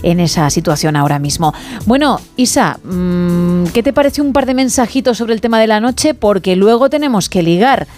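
A woman's voice: medium pitch, lively intonation, darkish tone, soft background music. A woman hosting a radio show, chatting in a playful, teasing way the studio. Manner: playful teasing, quick laughs. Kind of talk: lively late-night radio chat.

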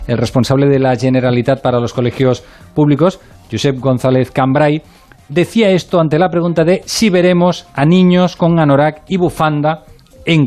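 Un hombre que cuenta una noticia en un programa de radio con tono explicativo y algunas muletillas. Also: male voice, a little high, a little mellow. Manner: brisk explanatory delivery with fillers. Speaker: radio news reporter. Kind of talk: radio news report and studio chat.

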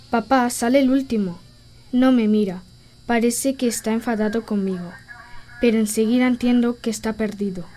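A woman reading a scripted first-person diary in the voice of a young girl, simple and intimate. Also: a little high. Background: soft background music.

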